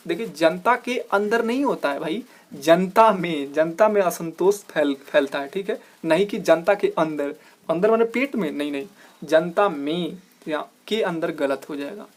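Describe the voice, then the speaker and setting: Man explaining grammar with rhetorical questions. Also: on the high side. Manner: explanatory, repeats "dekhiye", slows down to stress corrected words. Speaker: teacher and channel host. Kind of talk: exam-prep grammar lesson.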